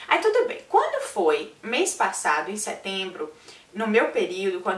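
A woman's voice at a moderate pace, with very wide pitch swings and audible room echo. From Brazil. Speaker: fitness vlogger. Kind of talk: casual vlog monologue. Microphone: camera far.

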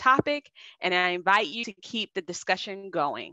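A bright, sharp tone comes through at a moderate pace in a dry sound with no echo and a quiet background. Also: woman. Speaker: event host. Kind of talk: formal announcements. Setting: video call. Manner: formal. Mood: warm, upbeat. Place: office. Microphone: headset.

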